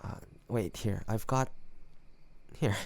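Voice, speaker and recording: A man's voice: fairly low pitch, slow, gravelly, darkish tone. A man acting a cocky young student in an audio roleplay, teasing and mocking an academic rival. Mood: concerned, placating. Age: young adult.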